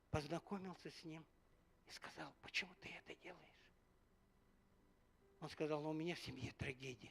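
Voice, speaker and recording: His pitch shows ordinary variation. The man keeps a moderate speed. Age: 60s. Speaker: pastor. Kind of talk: sermon.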